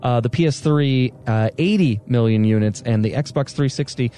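A man's voice: mid-range voice, normal speed, mellow, soft background music. A man hosting a quiz segment of a comedy podcast, teasing the players and laughing often. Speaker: quiz game host. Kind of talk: casual comedic podcast chat.

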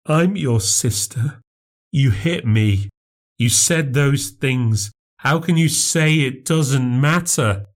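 A man's voice: high-pitched, big pitch swings, moderate pace, hardly any pauses, voice pushed up. A man voicing an upset, anxious adult woman who confronts her sister, hurt and insistent. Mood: pleading, worried.

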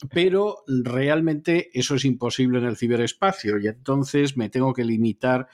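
A man's voice: mid-range voice, darkish tone. A male radio host giving a formal, courteous farewell to his guest and his audience at the end of the show. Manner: courteous, measured and ceremonious.

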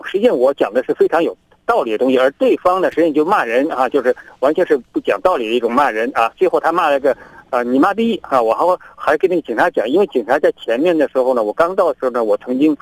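A middle-aged man from China, a guest on a remote link, telling events in a lively way and acting out both sides of each argument. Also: medium pitch, fast, no echo, rough recording. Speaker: interview guest, activist. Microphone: remote connection.

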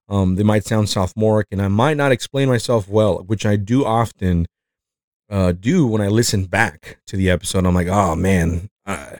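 Low-voiced man with a slight Mexican accent. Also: darkish tone, dry recording, clean studio sound. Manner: rambling, self-reflective, many fillers and restarts. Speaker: podcast host. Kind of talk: casual podcast chat.

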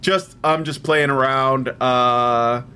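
A man hosting a podcast, relaxed and rambling in casual chat. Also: mid-range voice, slow, clear, resonant tone, soft background music. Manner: relaxed, rambling, many fillers. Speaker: podcast host.

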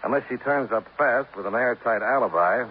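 A man's voice: medium pitch, fairly quick, natural voice. A man playing a terse, dry insurance investigator who narrates and questions in 1950s radio drama style on an old recording. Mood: probing. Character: hard-boiled male insurance investigator, dry. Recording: tinny old radio transcription, faint hiss.

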